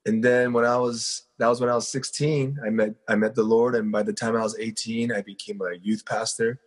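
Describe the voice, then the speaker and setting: A man in his twenties tells his life story as an interview guest, earnest and chatty. His voice sits low and has a husky, breathy edge. He talks like a pastor sharing with a friend. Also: little pitch movement, a little fast. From South Korea. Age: 20s. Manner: earnest, conversational, heavy on fillers.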